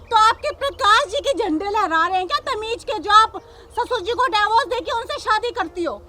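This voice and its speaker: A woman's voice: very high-pitched, expressive, normal speed, sharp tone, slight background noise, exaggerated voice. A woman playing a defiant young daughter-in-law, a police officer, who lectures her mother-in-law combatively. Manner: combative, lecturing, repeats "samajh gaye".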